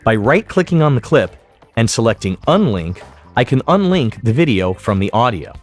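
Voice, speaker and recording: A man narrating a software tutorial as an instructor, explaining each step methodically. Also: mid-range voice, sing-song, moderate pace, faint music behind. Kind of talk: instructional screen-recording narration.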